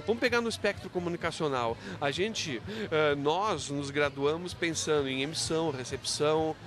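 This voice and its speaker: A man's voice on the high side, at normal speed, belongs to a university professor being interviewed off the cuff about his book. He explains in a didactic manner, asking himself rhetorical questions and checking himself often.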